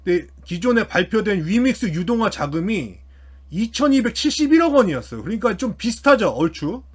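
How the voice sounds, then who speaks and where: High-pitched, animated man explaining figures. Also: fairly quick, breathy edge. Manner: informal, thinking aloud as he works through figures. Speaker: YouTube host commenting on company earnings. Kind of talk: casual explanatory financial commentary.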